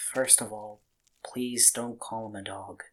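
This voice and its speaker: A man playing a gentle but quietly firm young vampire in an audio drama, soft-spoken and hesitant. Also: fairly low pitch, fairly even intonation, slow, poor audio. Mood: calm, loyal.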